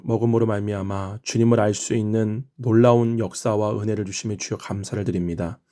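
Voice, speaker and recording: A man's voice: fairly low pitch, mellow. A middle-aged man from Chungcheong, Korea, leading a morning prayer and explaining his sermon in an earnest, teaching way. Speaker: pastor.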